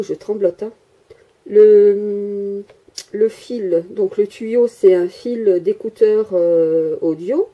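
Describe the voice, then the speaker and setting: A woman's voice: lowish voice, warm tone, husky. A woman chatting casually while filming her handmade miniature workshop, rambling with many hesitations and joking at herself, picked up by the microphone of the camera she holds. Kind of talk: casual chatty show-and-tell. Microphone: handheld camera mic.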